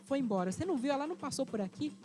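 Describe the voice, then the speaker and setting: A woman's voice: high voice, animated, rapid-fire, dark tone, pitched above the performer's own voice. A woman doing a distraught hot-tempered king. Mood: pleading. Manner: pleading, anxious.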